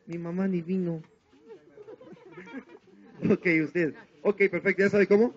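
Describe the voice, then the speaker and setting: Man, silly clown host, high voice, playful drawn-out announcements, dull lo-fi outdoor recording. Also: steady tone. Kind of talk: live children's party entertainment, running a contest on microphone. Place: outdoor garden party. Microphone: handheld microphone over PA, filmed by distant camera. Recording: dull lo-fi camera audio of amplified voice.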